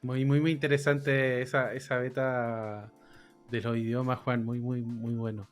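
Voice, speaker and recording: A man's voice: medium pitch, level tone, unhurried, faint music behind. A man hosting a podcast interview who reacts enthusiastically and repeats words for emphasis. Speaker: podcast host. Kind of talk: casual interview.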